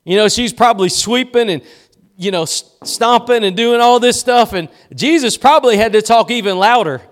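A man's voice: very high-pitched, normal speed. A male pastor preaching a sermon in a church, with emphatic repeated cadences and rhetorical questions.

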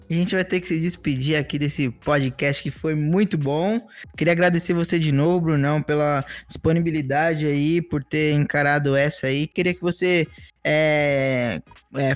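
A man with a Brazilian accent casually hosting a podcast conversation. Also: fairly high pitch. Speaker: podcast host. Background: music.

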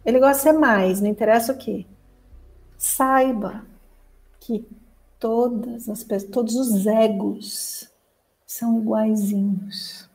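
A woman from Brazil, giving a spiritual talk to her viewers as a teacher and therapist, lively and expressive, acting out the inner voice of the mind. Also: on the high side, takes it slowly, pauses often, poor audio.

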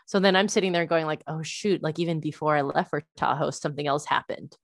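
A young adult woman tells a long, exasperated story in an easy, rambling way, with "like" dropped into nearly every sentence. Her voice sits fairly low for a woman, and the sound is close and dry. It is a casual conversation among friends. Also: fast talker, no room sound. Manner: animated, frustrated storytelling with many "like" fillers. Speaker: parent.

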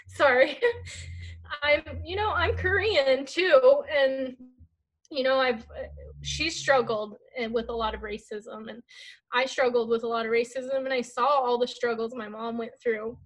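A woman's voice: high voice, fairly even intonation, a little slow, a bit bright, rough recording. A woman talking casually in an interview, full of "like" fillers and restarts. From United States. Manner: chatty, many "like" fillers and restarts. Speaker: guest.

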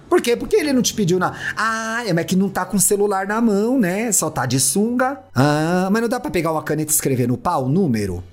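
A woman host, reading listener letters aloud and mocking them in bawdy comic chat. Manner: mocking, bawdy, laughs a lot; swings to shrieks and low asides.

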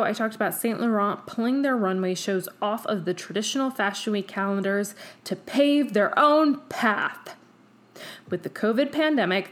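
Effusive woman podcast host, non-native English speaker. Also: mid-range voice. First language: not English. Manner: effusive, emphatic, tangential, peppered with "like". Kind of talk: casual opinionated solo podcast talk.

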